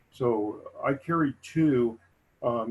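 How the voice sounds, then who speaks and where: Ordinary pitch variation in a man's somewhat breathy voice. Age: 60s. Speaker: ham radio hiker, attendee. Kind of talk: casual group chat.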